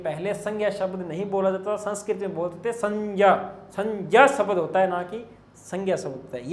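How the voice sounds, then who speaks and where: Male grammar tutor, high register, measured exam-prep lecture in a roomy, echoey space. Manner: slow and explanatory, spells out letters piece by piece; addresses students as children, asks and answers his own questions. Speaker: Hindi grammar teacher.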